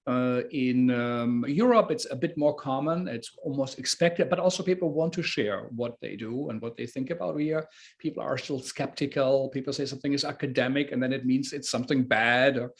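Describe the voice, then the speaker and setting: A man with a medium-pitched voice hosts a conversational book talk. He speaks haltingly, often pausing and repeating words as he works toward his point. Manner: halting, hesitant phrasing with frequent repeats. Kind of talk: interviewing, conversational introduction.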